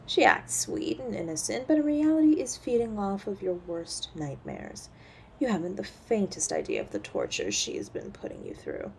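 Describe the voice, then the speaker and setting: A woman's voice: mid-range voice, sing-song, moderate pace, vocal fry, slight background noise, low-quality recording. A woman playing a cruel, imperious centuries-old succubus mother in a scripted audio roleplay, mocking and menacing. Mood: smug, taunting.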